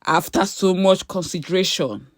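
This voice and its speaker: A woman narrating a scripted story dramatically, breaking her sentences into short, deliberate phrases. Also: fairly low pitch, no echo, clean studio sound.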